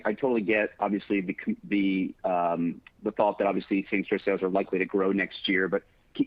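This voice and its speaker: A man's voice: on the low side, no echo. A man speaking as a financial analyst, asking questions on an earnings call and stammering over repeated words. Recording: dry, dull call audio.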